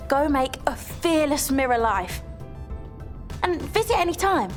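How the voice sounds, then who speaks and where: An actress in a children's TV comedy, speaking emphatically with a lively voice. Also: female voice, sits high, a little slow, faint music behind. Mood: grateful.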